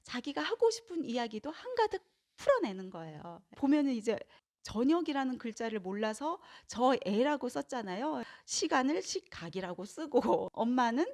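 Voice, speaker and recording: A woman who is a parenting educator, explaining to viewers in an animated way and acting out bits of dialogue. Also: on the high side, normal speed.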